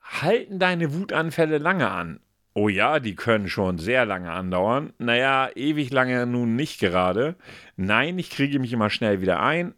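Lively German man reading a quiz. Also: medium pitch, a little slow, dry recording, clean studio sound. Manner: reads answer options aloud in a lively, playful tone. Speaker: podcast co-host. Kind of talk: casual podcast chat, reading out a quiz.

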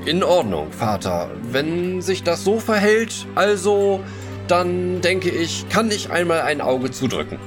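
An actor playing a grudgingly obedient medieval town guard in a German audio drama, deferential in manner. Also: male voice, sits high, big pitch swings, slow, music in the background, heavily acted.

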